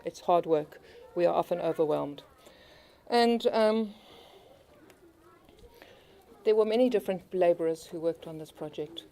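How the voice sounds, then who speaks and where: A woman's voice: fairly low pitch, dark tone, slight background noise. A woman thanking helpers and staff at an opening event, talking loosely and repeating okay. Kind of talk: outdoor opening speech.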